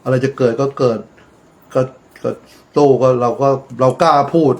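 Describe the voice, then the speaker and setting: Speaking at a moderate pace in a steady, mid-range voice, a middle-aged man offers profane, casual political commentary on his own channel. His manner is blunt and crude, full of swearing, and he lectures his audience with preachy advice.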